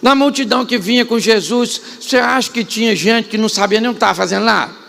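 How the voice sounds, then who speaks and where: A man's voice: high voice, fast talker, gravelly, fairly bright tone. A male pastor with a Brazilian Portuguese accent preaching a humorous, dramatic sermon in a church, quizzing the congregation with repeated questions. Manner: dramatic storytelling with sudden rises and drops.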